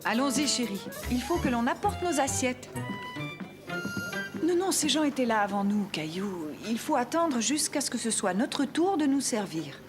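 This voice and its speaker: Gentle, lilting cartoon mom. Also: female voice, a little high, sing-song, moderate pace, music in the background. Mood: gentle, guiding. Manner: gentle, reassuring. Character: kind, patient young mother of a small boy. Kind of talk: children's cartoon voice acting.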